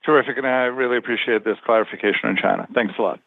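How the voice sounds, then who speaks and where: Male analyst, middle pitch, informal and halting questioner, dry phone-line sound. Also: gravelly, dry recording. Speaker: financial analyst asking questions. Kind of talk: informal earnings call questioning. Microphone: telephone.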